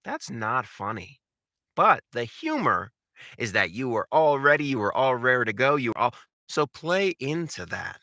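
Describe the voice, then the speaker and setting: A man's voice: mid-range voice, very animated, moderate pace, bright, forceful tone, dry recording, studio quality. A man coaching voice acting in an instructional talk, speaking emphatically and often posing rhetorical questions. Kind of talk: instructional talk with acted examples.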